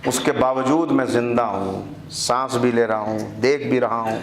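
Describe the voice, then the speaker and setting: A man preaching a sermon at a lectern mic in a prayer hall, firing off rhetorical questions and swinging between high, loud emphasis and a low hush. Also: a little hiss or hum. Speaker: religious speaker. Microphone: microphone on the lectern. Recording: roomy hall with faint ambience.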